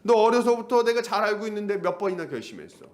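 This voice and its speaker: A man's voice: high voice, big pitch swings, fast, pitched above the performer's own voice. A pastor voicing a taunting male devil who mocks and accuses the listener with bullying questions. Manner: jeering, mocking, bullying questions.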